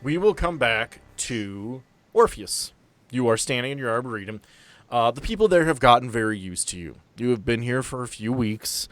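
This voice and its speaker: A man's voice: medium pitch, lively intonation, normal speed, fairly bright tone, dry recording. Casual male game master over music. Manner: casual, joking. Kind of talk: narrating a tabletop roleplaying game.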